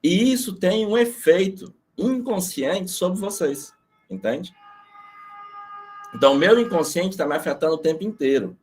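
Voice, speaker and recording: A middle-aged man teaching an online class in a casual, storytelling way. His pitch swings lively up and down, and he curses freely as he explains. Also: normal speed. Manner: animated storytelling, casual and profane.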